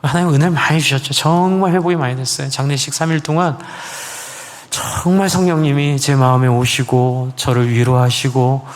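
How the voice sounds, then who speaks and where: A man's voice: moderate pace, in a large hall. Earnest, emotional male pastor preaching. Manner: emotional, earnest storytelling, pitch jumps high when exclaiming. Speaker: senior pastor. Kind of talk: sermon with personal testimony. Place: church sanctuary.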